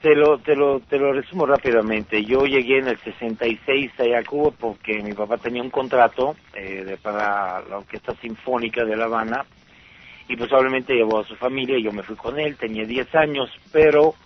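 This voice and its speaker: Older Bulgarian-born man reminiscing, lo-fi. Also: mid-range voice. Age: 60s. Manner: unhurried, rambling with fillers and restarts. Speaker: interview guest. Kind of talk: relaxed storytelling interview. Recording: dull lo-fi sound.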